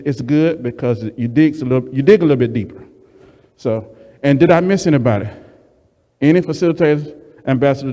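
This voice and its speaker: A man hosting a meeting and introducing speakers, speaking haltingly with many ums and restarts. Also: medium pitch, warm tone. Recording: reverberant meeting hall.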